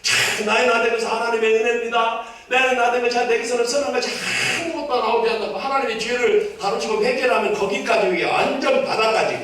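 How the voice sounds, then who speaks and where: A man's voice: very high-pitched, fast, few pauses, a bit bright. A male pastor from Jeolla with a Jeolla Korean accent, preaching a sermon in a church. He is emphatic, repeats key phrases and calls for amens from the congregation. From Jeolla, South Korea. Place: church sanctuary. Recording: echoey hall, voice from far off.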